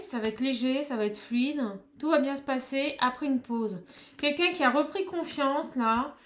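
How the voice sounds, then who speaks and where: A woman doing a card reading for her viewers, talking straight to them and calling out to her spirit guides, with a small high voice. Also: slight background noise. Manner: addresses viewers directly, exclamatory, calls on spirit guides. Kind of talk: tarot reading to camera.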